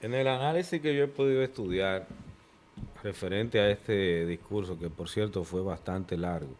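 A man on a TV studio panel, giving measured political commentary into a desk mic. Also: sits low, darkish tone, a little hiss or hum. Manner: measured, deliberate, rhetorical. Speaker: panel guest. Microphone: desk microphone.

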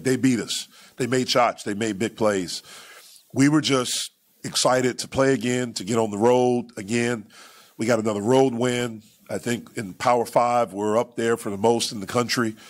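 A man in his forties, a basketball head coach answering reporters at a postgame press conference, speaking in a measured way with frequent "you know" and repeated phrases, into table microphones. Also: medium pitch. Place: press conference room with sponsor backdrop.

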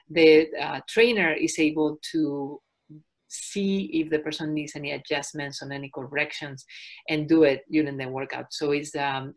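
With a low voice and a Spanish accent, a woman in her forties from Spain presents a fitness webinar. She works as a trainer and health coach and speaks calmly and softly.

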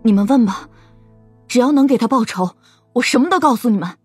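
A woman's voice: a little high, lively intonation, a little fast, a little mellow, breathy edge. A woman playing a candid, observant teenage shopgirl in an audio drama. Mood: earnest. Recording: music behind the voice.

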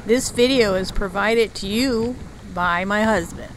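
A woman narrating her outdoor travel vlog in a measured, informative scripted voice-over. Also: mid-range voice, a little hiss or hum, low-quality recording. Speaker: travel vlogger.

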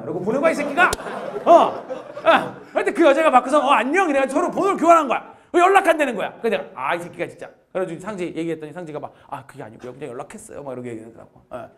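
A man who teaches math, telling a funny story to his class in a lecture and acting out his students' lines. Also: high-pitched. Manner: animated, laughing while telling a story, acts out students' lines.

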